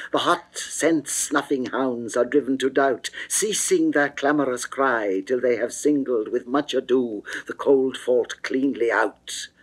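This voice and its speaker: Slow, theatrical pleading love goddess. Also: male voice, medium pitch, rough recording. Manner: theatrical, measured, declamatory. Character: fearful, pleading goddess of love urging her lover. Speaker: reader of dramatic verse. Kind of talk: 1960s classical dramatic poetry reading. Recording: early 1960s studio recording.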